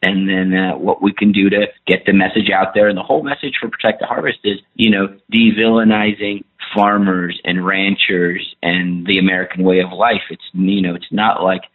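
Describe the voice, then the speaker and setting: A man's voice: deep voice, steady tone, moderate pace, hardly any pauses. A middle-aged man from Iran, a film producer and actor, chatting in a rambling, enthusiastic way as an interview guest. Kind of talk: casual interview talk. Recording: tinny phone line.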